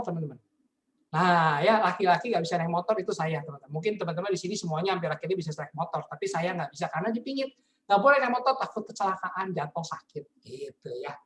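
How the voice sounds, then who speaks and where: A man's voice: high-pitched, fairly bright tone. A man, telling stories casually as a motivational business speaker on a video call, often turning to address his listeners as friends. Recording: echoey room sound.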